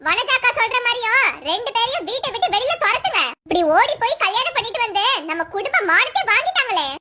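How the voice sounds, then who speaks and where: A woman's voice: extremely high pitch, very animated, quick pace. A woman voicing a meddling young girl relative who eggs the elders on, taunting. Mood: egging on. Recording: loud background noise.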